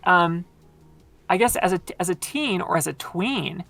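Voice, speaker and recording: A woman with a very low voice, explaining at length in casual conversation with many fillers, her voice tired from long talking. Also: lively intonation, a little slow, gravelly, a bit bright. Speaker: podcast guest.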